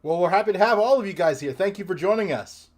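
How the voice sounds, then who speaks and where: Guy hosting a livestream panel, kinda high voice, rambly and loose, talking into a call setup. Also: lively intonation, fast talker. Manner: loose and chatty, trailing restarts. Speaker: livestream host.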